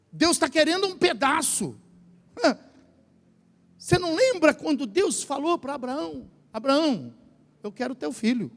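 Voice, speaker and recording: A Brazilian pastor preaching a sermon in an animated way, shouting at the peaks and slipping in joking asides, with a Brazilian Portuguese accent, recorded in a large church. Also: male voice, extremely high pitch. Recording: echoing church hall.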